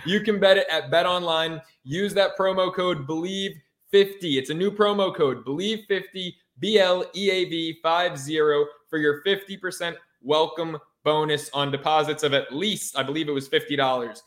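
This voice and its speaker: A man's voice: on the high side, moderate pace, few pauses, a bit bright. A man co-hosting a sports podcast in a casual, brash, slangy style with some swearing.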